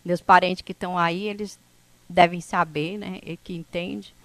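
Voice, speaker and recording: A woman from the São Paulo coast whose first language is a Brazilian indigenous language, telling her life story to an audience in an unhurried, conversational way. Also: fairly low pitch, fairly even intonation, no room sound. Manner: unhurried, conversational, with frequent "né?" tags and restarts. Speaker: indigenous speaker at an event.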